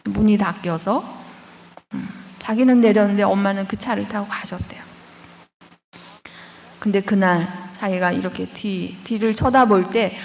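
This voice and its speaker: A woman's voice: medium pitch, measured pace, creaky, long pauses. A woman, a Catholic nun, giving a lecture in sermon-style storytelling, acting out the voices of the people she quotes. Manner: lively storyteller who acts out quoted voices. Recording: dull recording with long hall echo.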